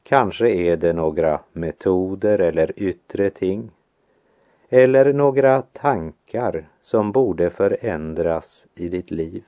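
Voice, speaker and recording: Deep-voiced man reading a devotional. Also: mellow, dry recording, studio quality. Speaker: devotional speaker. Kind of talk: read devotional teaching.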